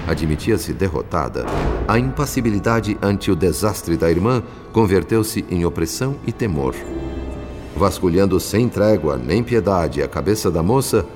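An actor playing a solemn spirit narrator in a radio drama, with grave, formal, literary delivery. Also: male voice, sits low, animated, normal speed. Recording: long reverb with music behind. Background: music.

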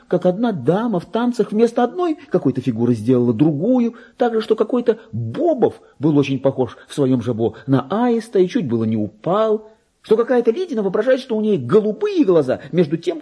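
A man's voice: high-pitched, big pitch swings, warm tone, breathy edge, voice pushed up, full character voice. A man voicing a gossipy, affected little female pet dog in a theatrical, chatty reading of a classic story. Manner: chatty, mannered, exclamatory, drawn-out emphasis.

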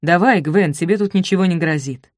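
A woman's voice: on the low side, fairly quick, a little mellow, dry recording, clean studio sound, lightly acted. A woman reading an audiobook, voicing a nervous young man, a kidnapper, in a coaxing, uneasy way. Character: nervous young male kidnapper, a boss's son.

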